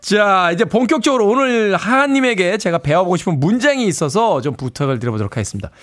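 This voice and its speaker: Animated male radio DJ. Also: high-pitched, fast. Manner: bright, playful, animated delivery. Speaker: radio DJ host. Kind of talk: morning radio show hosting.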